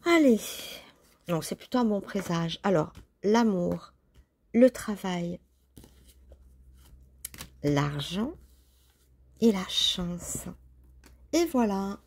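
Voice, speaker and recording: A woman's voice: medium pitch, animated, extremely slow, long pauses, a little mellow. A woman chatting casually as she lays out a tarot reading, talking to herself while she handles the cards. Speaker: tarot reader.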